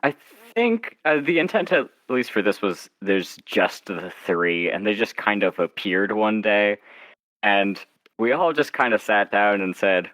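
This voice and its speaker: A man's voice: lowish voice, animated, measured pace, a bit bright, dry recording, poor audio. A man speaking as an author being interviewed, chatting informally and often slipping into imagined quotes to make his point. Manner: informal, acts out imagined lines of dialogue. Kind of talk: casual interview chat.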